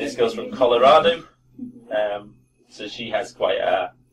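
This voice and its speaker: A man with a northern English accent. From northern England. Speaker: pronunciation teacher. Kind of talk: online pronunciation lesson.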